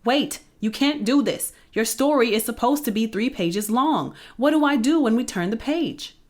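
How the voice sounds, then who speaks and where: A woman's voice: mid-range voice, animated, moderate pace, close to an everyday voice. A woman voicing Jack, a pushy, cocky boy narrator who talks eagerly and brashly.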